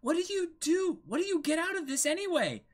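Man playing fretful young woman, scolding, high voice, wildly swooping pitch, manga read-aloud. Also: sing-song, a little fast. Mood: exasperated.

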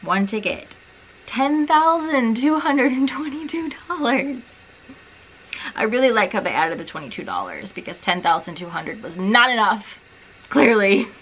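A woman's voice: a little high, sing-song, measured pace, fairly bright tone, a little hiss or hum. A young woman in her twenties chatting casually to camera in a small bedroom, with wry, self-mocking asides. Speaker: lifestyle vlogger. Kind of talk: casual vlog chat to camera.

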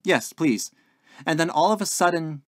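Here the narrator takes on the role of a courteous, sincere young man, speaking haltingly and with some confusion as he searches for what to say. Expressive and mid-range at an ordinary pace, the delivery sits slightly above the performer's own pitch yet stays near a normal speaking voice. The studio-quality recording has no room sound.

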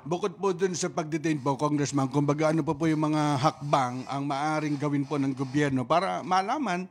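A man's voice: on the high side, moderate pace, a little hiss or hum. Polite man hosting in a radio studio. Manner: polite, hedging questions. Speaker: radio host. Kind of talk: radio interview. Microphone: studio mic on stand.

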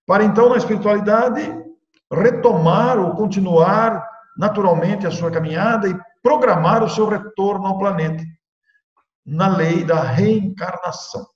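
Older Brazilian man lecturing in an echoey room. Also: sits high. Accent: Brazilian Portuguese. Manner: measured, emphatic phrasing with dramatic pauses. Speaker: spiritist lecturer. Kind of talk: devotional lecture. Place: indoor room at home. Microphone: laptop webcam, video call framing. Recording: echoey room, long reverb, dull lo-fi sound.

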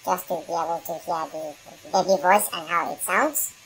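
A man's voice: normal speed, fairly bright tone. A small baby voice put on by a man, lifted far up by a voice changer filter. The delivery is plain and matter-of-fact, like a microphone test. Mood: neutral testing. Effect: pitch-raising voice changer filter.

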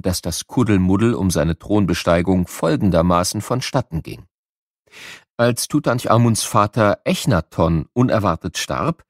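A man's voice: lowish voice, no room sound, studio quality. A man reading scripted educational narration for children in an explanatory storytelling manner. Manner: clear storytelling, explanatory with rhetorical questions.

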